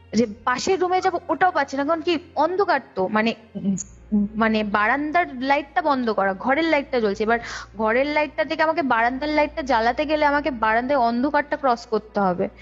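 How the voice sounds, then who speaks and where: A young woman speaks in a fairly high voice on a dull, lo-fi call recording. She recounts a personal ghost story in a conversational way, detailed and repetitive, with music playing underneath. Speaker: guest, caller. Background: background music.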